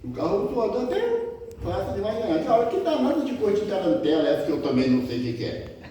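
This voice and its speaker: A man's voice: sits high, sing-song, fast talker, dark tone, slight background noise. A man with a Brazilian Portuguese accent giving a spiritist lecture and asking the audience rhetorical questions. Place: lecture hall of a spiritist center. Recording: echoey hall, distant mic, faint ambience.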